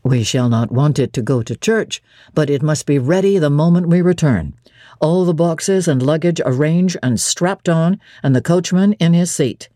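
A woman voicing a brooding, commanding middle-aged gentleman in a storybook reading, speaking in a low, gruff, urgent way. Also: moderate pace, dry recording, clean studio sound. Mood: impatient.

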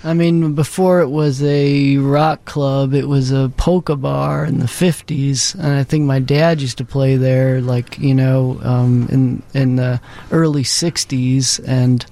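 A man in a radio studio, talking casually and at length, with many pauses and ums. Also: medium pitch, creaky. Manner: relaxed, rambling, many ums. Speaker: music professor and multi-instrumentalist. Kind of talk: casual radio interview talk.

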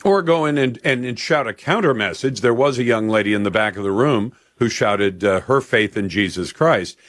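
A man's voice: lowish voice, expressive, normal speed, fairly bright tone, no echo, studio quality. A man hosting a talk radio show, holding forth with emphasis and acting out quoted exchanges. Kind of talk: opinionated radio monologue and call-in.

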